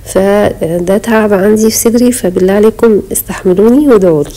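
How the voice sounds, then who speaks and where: A woman's voice: medium pitch, fast, warm tone, low-quality recording. A woman with an Egyptian accent, chatting in a home vlog voice-over, a bit out of breath as she talks. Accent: Egyptian Arabic. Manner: chatty, pious, talks straight to viewers. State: short of breath while talking. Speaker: home vlogger. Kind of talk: casual voice-over chat.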